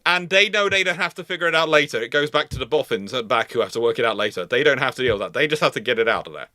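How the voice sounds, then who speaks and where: A man's voice: medium pitch, animated, rapid-fire, pushed and bright. A man hosting a live history question and answer discussion, explaining in an emphatic, repetitive, digressive way. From Britain. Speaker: naval history show host.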